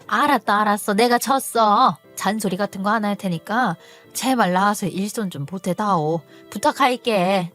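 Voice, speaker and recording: A woman's voice: mid-range voice, natural voice. A woman voicing a domineering older mother-in-law who nags and scolds. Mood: grudging. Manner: nagging, domineering.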